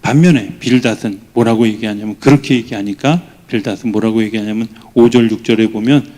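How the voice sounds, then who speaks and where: A male pastor giving a lively weekday sermon, acting out the voices he quotes with sudden rises in pitch and volume. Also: a little fast. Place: church.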